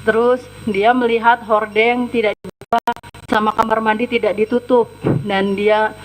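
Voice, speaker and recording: A young woman gives formal testimony at a hearing, retelling events in a plain, halting way. Her voice sits slightly high. A faint hum runs under the recording. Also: flat delivery, rough recording. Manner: plain, halting retelling, acting out quoted lines.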